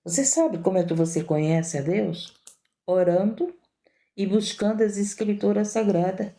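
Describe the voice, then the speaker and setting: A Brazilian woman preaches with fervor, hammering on repeated phrases and speaking straight to her congregation. Her voice is mellow and warm, sitting at an ordinary pitch for a woman. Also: moderate pace. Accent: Brazilian Portuguese. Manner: fervent, repetitive preaching that addresses the listeners directly. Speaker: missionary preacher. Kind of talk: sermon.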